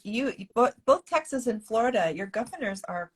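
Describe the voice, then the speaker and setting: Husky older woman cohost, easygoing, quips and gives advice. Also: fairly high pitch, expressive, fairly quick. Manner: easygoing, chimes in with jokes and advice. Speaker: co-host of a live stream show. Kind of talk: casual chat.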